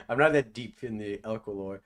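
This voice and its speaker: A young man casually commentating over his own video, laughing often, swearing and now and then yelping loudly. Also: lowish voice, normal speed. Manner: laughs often, swears, bursts into loud yelps. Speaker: video essay creator doing live commentary.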